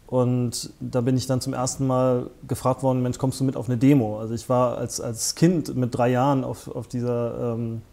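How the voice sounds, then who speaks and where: In a small studio with armchairs, a festival founder from northern Germany, in his forties, is interviewed conversationally and picked up by a lapel mic. He speaks at a moderate pace with a mid-range, level, warm voice, some vocal fry and few pauses, though he's hesitant, with many fillers and restarts.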